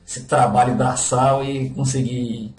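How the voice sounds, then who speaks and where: A man from Fortaleza with a Northeastern Brazilian accent, a guest telling his life story in a relaxed, modest way and tagging his sentences with little questions. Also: mid-range voice, takes it slowly, echoey room. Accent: Northeastern Brazilian (Ceará). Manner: relaxed, modest, with frequent "né?" tags. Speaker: interview guest. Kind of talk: casual conversational storytelling.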